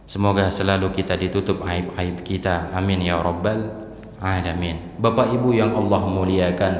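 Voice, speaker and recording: A man giving a dawn sermon in a mosque, calling out to the congregation and dropping into soft prayer. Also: fairly low pitch. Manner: addresses congregation often, swings from loud exhortation to hushed prayer. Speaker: preacher. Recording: echoey hall with long reverb.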